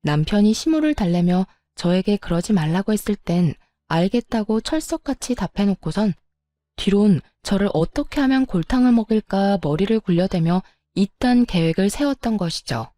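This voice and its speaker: A woman's voice: medium pitch, expressive, moderate pace, dark tone, no room sound. A woman narrating a first-person story with an indignant, emphatic delivery.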